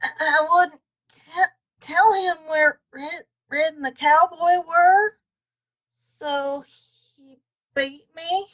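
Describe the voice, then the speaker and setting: Woman acting beaten frontier woman, high pitch, slow, weak, tearful, faltering, Western audio play. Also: a bit bright, heavily acted, poor audio. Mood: hurt, tearful.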